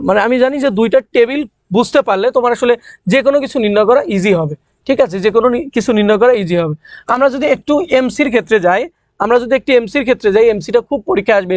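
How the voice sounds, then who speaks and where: A young man from Bangladesh teaching an economics class, talking fast, repeating key points and quizzing students as he works through the numbers. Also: extremely high pitch, no echo. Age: young adult. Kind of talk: online class lecture.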